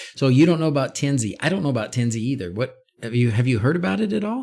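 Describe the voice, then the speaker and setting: The delivery is very fast with lively intonation. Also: man. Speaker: home automation live stream host. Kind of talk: casual live stream host talk.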